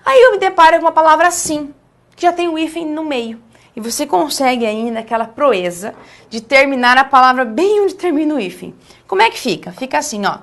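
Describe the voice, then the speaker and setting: High-voiced Brazilian woman teaching emphatically. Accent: Brazilian Portuguese. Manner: emphatic, stretches key words slowly; checks in with the listener often. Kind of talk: classroom lesson on essay writing.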